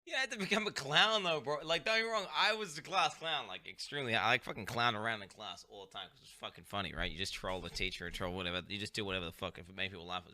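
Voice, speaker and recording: A man's voice: fairly low pitch, rapid-fire, hardly any pauses, sharp tone. A man streaming, reacting to a video with incredulous, rambling, profane commentary.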